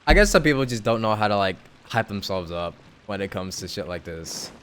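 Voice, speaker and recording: A man's voice: on the low side, animated, a little fast, a bit bright, smooth. A young man casually commenting on a game story during a live stream, rambling with hedges and the odd swear word.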